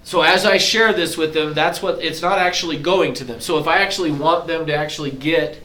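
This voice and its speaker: A man training real estate agents, walking them step by step through signing software in a casual, explanatory way, a bit hoarse and clearing his throat as he loses his voice. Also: on the high side, fairly quick. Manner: explanatory, casual, self-deprecating. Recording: echoey room from far off, faint hiss.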